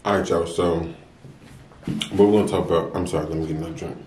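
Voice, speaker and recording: A young American man chatting casually and earnestly to viewers while eating, unhurried between bites. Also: deep voice, fairly even intonation, a little mellow, a little hiss or hum. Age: young adult. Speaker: mukbang vlogger. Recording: roomy, echoey sound.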